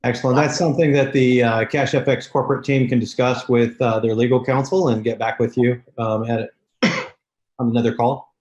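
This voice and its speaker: A man hosting a video call, welcoming a guest in a steady, reassuring way. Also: mid-range voice, brisk, muffled recording. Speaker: host.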